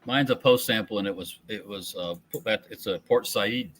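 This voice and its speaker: A man's voice: fairly low pitch, normal speed, fairly bright tone, a little hiss or hum. A man chatting casually about guns, rambling and trailing off, often chuckling. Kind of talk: casual firearms chat.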